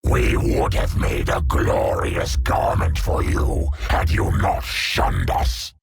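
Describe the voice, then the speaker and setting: A sinister alien symbiote for a video game. The voice is shredded and deeply fried, swooping wildly in pitch. It sneers with theatrical vanity. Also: male voice, sing-song, takes it slowly, exaggerated voice. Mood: scornful. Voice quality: raspy, creaking, monstrous. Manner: sardonic, theatrical.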